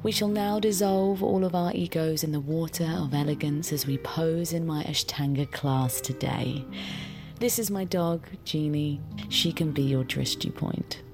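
An actress playing a pretentious yoga instructor with an airy, solemn delivery. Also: female voice, deep voice, a little slow. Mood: serene. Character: pretentious female yoga instructor, serene and lofty. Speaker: yoga teacher. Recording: music playing behind.

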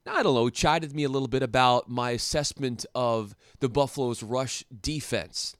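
A young man hosting a solo sports podcast, talking in an animated, excitable way with frequent restarts and rhetorical questions. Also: mid-range voice, normal speed, smooth, no echo, clean studio sound. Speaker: podcast host.

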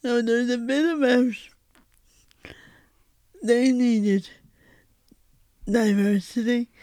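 Appearing as a guest playwright, this Irish woman talks reflectively with a thoughtful, halting manner, repeating words as she finds them. Her voice is a little high and dark-toned, with fairly even intonation and no echo.

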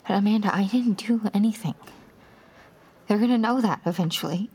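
An actress playing a shaken woman accused of killing a child, speaking in a hushed, half-whispered way. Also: mid-range voice, brisk, breathy edge, close to an everyday voice. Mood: pleading, desperate. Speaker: narrator and lead character. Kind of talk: audio drama acting.

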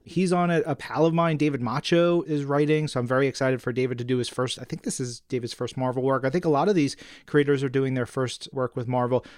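A man co-hosting a podcast, chatting informally and emphatically about comic-book news with excitable enthusiasm. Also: medium pitch, fast, few pauses, clear, resonant tone, no echo, studio quality. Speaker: podcast co-host.

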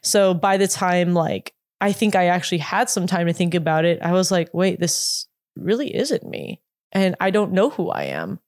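A woman in her late twenties, a former pop idol being interviewed, talking casually with lots of "like" and halting restarts. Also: lowish voice, sing-song, a little mellow, no room sound, clean studio sound. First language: English. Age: 20s.

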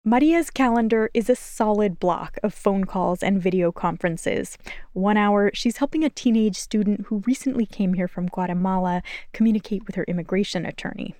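A woman education reporter narrating a radio news feature in a steady, informative way. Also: medium pitch, moderate pace, no echo, studio quality.

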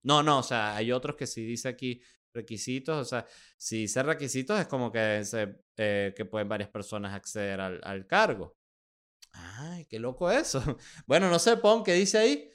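Venezuelan man, young adult, podcast host, casual chat, sarcastic jokes, smooth clear voice, mid pitch. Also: lively intonation, a bit bright. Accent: Venezuelan Spanish. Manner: joking and sarcastic, with quick asides. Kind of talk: casual commentary.

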